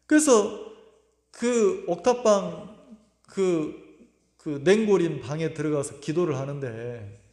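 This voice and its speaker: A middle-aged man preaching a sermon, telling a personal story in an earnest, emotional way, pausing and repeating his words. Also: fairly high pitch, animated, a little mellow. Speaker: pastor. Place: church sanctuary. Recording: echoey church hall with long reverb.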